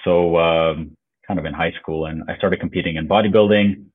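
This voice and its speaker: A man from Slovakia, a business owner, talking as a podcast guest in a relaxed, loose way with plenty of fillers, heard over a remote call. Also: sits low, normal speed. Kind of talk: casual interview chat. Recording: tinny phone-like call audio.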